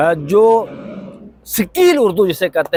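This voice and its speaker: A man's voice with very wide pitch swings. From Pakistan, Pothohar region. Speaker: journalist, political vlogger. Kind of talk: political vlog monologue. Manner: casual, hesitant with fillers.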